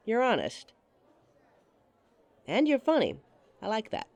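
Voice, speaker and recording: A playful woman speaks straight to the listener in a scripted roleplay, teasing and often laughing. Her pitch swings up and down with a lot of life. She is recorded close on a dry, dead mic. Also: wildly swooping pitch, slow pace, gravelly, darkish tone, no echo. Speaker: audio roleplay performer.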